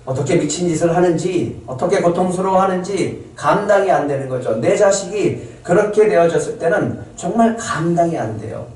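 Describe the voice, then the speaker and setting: A man's voice: high-pitched, normal speed, few pauses, darkish tone. A male pastor preaching a sermon in a church, emphatic and full of rhetorical questions to the congregation. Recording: echoey hall from far off.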